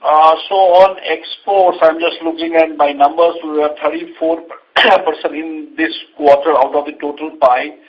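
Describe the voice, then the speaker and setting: A man with an Indian accent, an executive giving unscripted answers on an earnings call in a halting way, often repeating phrases. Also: a little high, fairly even intonation, slightly rough. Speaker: company executive answering investor questions. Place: conference call line. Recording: dull lo-fi conference call audio.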